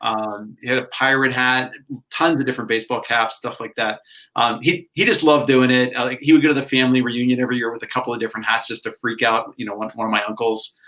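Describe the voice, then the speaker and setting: A man's voice: mid-range voice, fairly even intonation, quick pace, pushed and bright. A man co-hosting a local talk show in casual chat, telling rambling stories full of "like" and filler words. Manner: rambling, filler-heavy storytelling with frequent "like". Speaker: co-host.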